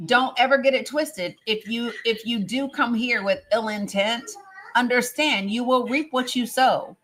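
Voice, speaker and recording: 50s woman hosting a live stream, bright voice, firm and earnest, um-heavy. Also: a little high, unhurried. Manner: earnest and firm, many ums and restarts. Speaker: livestream host. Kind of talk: live-stream panel talk.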